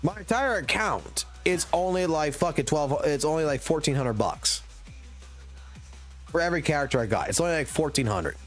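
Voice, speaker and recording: A man's voice: a little high, animated, moderate pace, faint music behind. A man in his thirties ranting profanely and emphatically on a casual gaming livestream, talking into a desk mic at a home streaming setup. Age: 30s.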